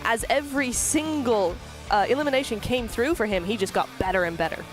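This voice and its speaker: A woman's voice: fairly high pitch, faint music behind. Non-native English female esports caster. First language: not English. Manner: agreeable, backchannels a lot, quick bursts. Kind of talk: esports analysis commentary.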